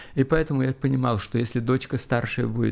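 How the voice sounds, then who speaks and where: On a very clean recording with a silent background, a man delivers his words at a moderate pace. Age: 60s. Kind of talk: radio interview. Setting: radio studio. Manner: halting, many fillers.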